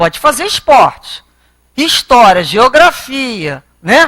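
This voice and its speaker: A woman speaks loudly and at a fairly slow pace, her tone animated and her pitch swinging very widely. The sound is dry and close, with no echo. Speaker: spiritist lecturer. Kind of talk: lecture. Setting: spiritist center lecture hall.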